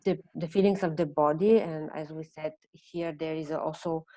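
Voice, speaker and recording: A woman from Bulgaria with a Bulgarian accent presenting an online seminar, speaking haltingly as she searches for words in non-native English. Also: sits low, fairly even intonation, mellow, no room sound. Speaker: presenter, counselor.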